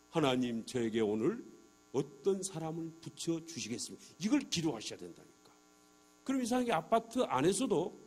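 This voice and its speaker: Lively husky man preaching a testimony. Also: sits high. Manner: animated, acts out dialogues in quoted voices; addresses the congregation directly with rhetorical questions. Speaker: church elder giving a testimony. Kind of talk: evangelistic testimony sermon. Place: church sanctuary.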